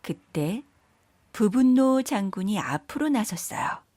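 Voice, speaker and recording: A woman reading scripted children's story narration in a measured, careful storytelling manner. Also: mid-range voice, lively intonation, dark tone, dry recording, studio quality.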